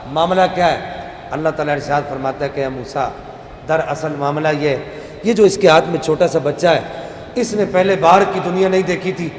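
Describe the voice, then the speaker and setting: A male preacher telling a story in an impassioned sermon, with dramatic swells into near-shouting. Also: on the high side, slight background noise. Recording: echoey hall reverb.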